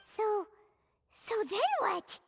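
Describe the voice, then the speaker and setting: A woman voicing a tiny, excitable childlike fairy companion girl in a video game, squeaky and eager. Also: drawn-out words, gravelly, heavily acted. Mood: puzzled.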